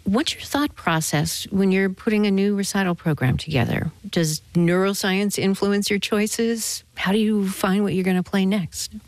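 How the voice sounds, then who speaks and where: A woman hosting a radio music program, reading clear introductions and asking interview questions in a studio. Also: medium pitch, normal speed, few pauses, dry recording. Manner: clear, even announcing. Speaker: radio host.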